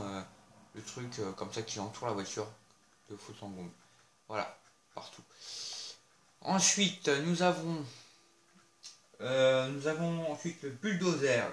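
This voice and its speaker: A man's voice: mid-range voice, slight background noise. A man casually showing off vehicles in a video game, chatty, with frequent fillers and asides to viewers. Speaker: gameplay video host. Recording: roomy sound with loud game music.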